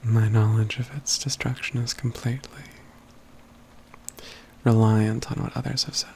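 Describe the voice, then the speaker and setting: A man playing an aloof, proud mage companion in a soft, intimate ASMR roleplay, with formal, measured phrasing and dry teasing. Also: medium pitch, level tone, creaky, slight background noise, natural voice. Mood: grave, explanatory. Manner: formal, measured, haughty phrasing with hushed stretches.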